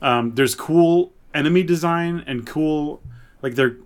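A man's voice: on the high side, a little slow. A man co-hosting a podcast in a casual, conversational chat. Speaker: podcast co-host. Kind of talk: casual chat about movies and video games.

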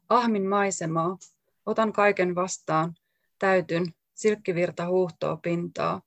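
Woman author, low and gravelly, gives a poetry reading in measured short phrases, dry close sound. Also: no echo. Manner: slow, deliberate recitation of short lines. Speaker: author reading her own work.

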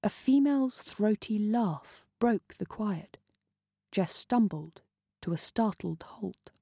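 Female narrator for a novel: measured, slow delivery, dry booth sound. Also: mid-range voice, animated, gravelly, mellow, husky, no echo. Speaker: reader.

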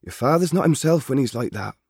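A man's voice: mid-range voice, lively intonation, brisk, a little mellow, husky, no room sound, studio quality, voice pushed up. A man voicing an anxious, stern farmer's wife and mother in a storybook reading. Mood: anxious, scolding. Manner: scolding, anxious. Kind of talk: audiobook character voice.

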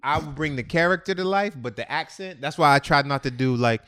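Excitable man handing out advice. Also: fairly high pitch, a little fast, smooth. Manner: animated, handing out advice, says "yo" and "look". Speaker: stand-up comedian. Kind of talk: casual chat.

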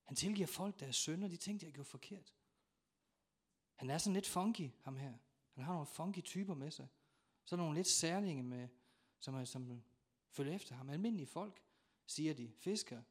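A man preaching a sermon in a church, telling stories with dramatic acted-out voices and sudden shouts. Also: fairly high pitch, animated, pauses often. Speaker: pastor.

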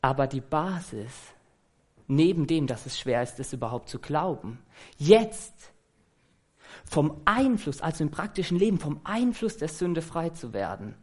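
A man's voice: fairly high pitch, big pitch swings, unhurried, slightly rough. A man preaching an earnest, conversational sermon that he fills with rhetorical questions.

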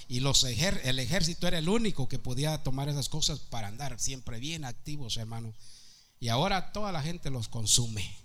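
A man's voice: medium pitch, expressive, fairly quick, bright, forceful tone. A man preaching a sermon, calling out to the congregation with repeated questions and rising to emphatic peaks.

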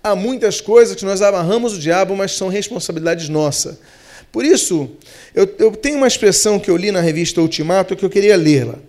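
A man with a Brazilian Portuguese accent, preaching a sermon as pastor, stretching key words slowly and hurrying through asides. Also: high-pitched, a little mellow.

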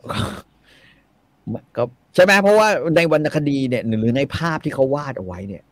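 A man retelling a classic Thai tale in casual, slangy chat, animated and reciting verse now and then. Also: mid-range voice, normal speed, no echo. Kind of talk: casual comic retelling with acted quotes.

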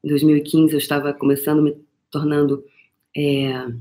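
A woman's voice: sits low, monotone, moderate pace, warm tone. A middle-aged woman with a Brazilian Portuguese accent, giving a live motivational talk. She speaks emphatically, often calls the listener "meu amor" and swears now and then. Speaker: motivational coach.

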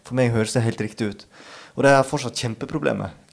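A man, an author and podcast guest, speaking in a thoughtful, halting way and often searching for his words. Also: mid-range voice, gravelly. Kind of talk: reflective interview talk.

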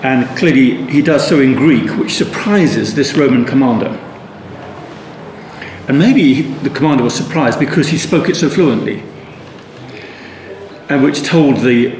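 At a measured pace, a Bible teacher with a mid-range, slightly mellow voice offers an unscripted Bible study. He thinks aloud in a rambling way, with many restarts and digressions. There is an echo in the room and faint ambient noise.

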